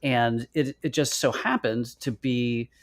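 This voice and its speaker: A man co-hosting a casual show, talking in a playful, enthusiastic and somewhat halting way. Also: mid-range voice. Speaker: podcast co-host. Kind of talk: casual live-stream chat.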